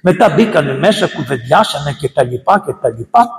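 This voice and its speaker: A priest with a high voice preaches to his congregation and tells a saint's story with lively emphasis, hammering home words by repeating them. The recording is roomy, and his voice rings out with the long reverb of a church. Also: vocal fry. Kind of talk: sermon retelling a saint's story.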